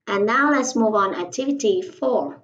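A woman's voice: medium pitch, a bit bright. Woman, English teacher, patient explaining, muffled distant recording. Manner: patient, explains in Vietnamese and models English phrases slowly. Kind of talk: online lesson narration. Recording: dull, slightly distant lo-fi sound.

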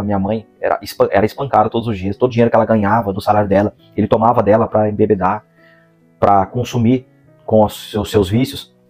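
Brazilian man, 30s, earnest missionary testimony, mid pitch, lapel mic, light music bed. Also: darkish tone. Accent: Brazilian Portuguese, São Paulo interior. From Brazil, interior of São Paulo state. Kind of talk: religious testimony to camera. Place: indoor room, seated in a gaming chair. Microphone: clip-on lapel mic.

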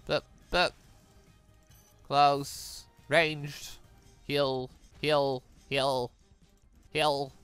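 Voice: mid-range voice, little pitch movement, extremely slow, long pauses, a bit bright, smooth, dry recording. A gaming host giving rambling commentary while playing, thinking aloud from move to move. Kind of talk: excitable let's play commentary and dialogue read-aloud. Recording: dry close voice over game music. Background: game music.

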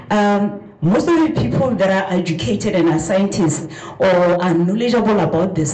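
A woman's voice: on the low side, warm tone. Earnest South African woman speaking in a hall. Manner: earnest, emphatic, repeats words for stress. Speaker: conference speaker. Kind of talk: conference talk. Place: large vaulted hall with stage and projector. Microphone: handheld mic at a lectern, room recording. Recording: echoey hall.

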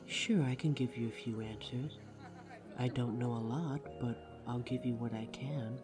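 A man's voice: medium pitch, fairly even intonation, normal speed, close to an everyday voice. Snide, courteous vampire barista played by a man, music behind. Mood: explaining, polite. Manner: polite, dry, teasing. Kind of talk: audio roleplay acting.

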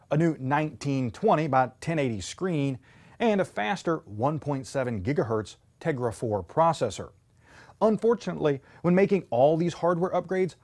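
A man in his thirties hosting a scripted tech teardown show, speaking clearly and emphatically from an indoor studio set. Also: mid-range voice. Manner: clear, emphatic presenter delivery.

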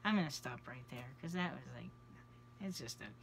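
A trans man in his thirties, a vlogger whose voice is changing on testosterone, chats casually to a camera held close at face level. He is in a small, cluttered bedroom and often trails off into a near whisper. His voice is medium-pitched and fairly bright, with lively intonation and a slightly fast pace, over slight background noise.

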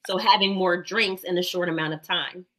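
A woman in her thirties explains medical facts with calm confidence from a room at home. Her voice is bright and a touch low, picked up by a laptop mic. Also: normal speed, slight background noise. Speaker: doctor and guest. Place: home room, video call.

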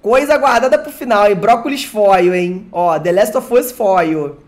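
An excitable, slangy streamer from Brazil opening card packs live, who swears and jokes with chat. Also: medium pitch, a little slow. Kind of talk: live unboxing chat with viewers.

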